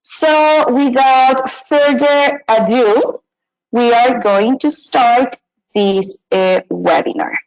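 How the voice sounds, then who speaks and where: A woman's voice: a little high, very slow. A young woman from Mexico presenting a live online teaching webinar from a small room, hesitant with many fillers and restarts. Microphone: webcam and computer mic. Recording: dull lo-fi webinar audio.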